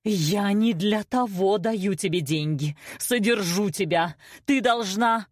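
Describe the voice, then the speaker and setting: A woman voicing a hysterical middle-aged mother in an audiobook, loud, dramatic and accusing. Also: fairly high pitch, expressive, normal speed, dry recording, clean studio sound, pitched above the performer's own voice. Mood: outraged. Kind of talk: audiobook character acting.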